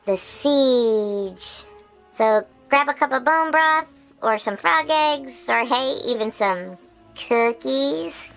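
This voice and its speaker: A woman's voice: sits high, poor audio. A woman doing a giggly baby-alien host. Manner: giggly, bubbly, squeals with excitement. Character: excitable childlike male Baby Yoda creature. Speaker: recap host. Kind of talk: chatty episode recap.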